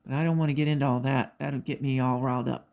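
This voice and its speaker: A woman's voice: rumbling low, quick pace, creaky. A middle-aged woman hosting a craft video, chatting casually and telling stories while she works on a diamond painting. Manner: chatty, animated storytelling with quoted voices.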